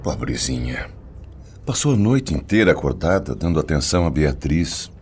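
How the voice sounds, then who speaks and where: Sympathetic family man: deep, gently expressive voice, radio drama, faint background noise. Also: moderate pace. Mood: tender concern. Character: concerned man of a troubled household, tender.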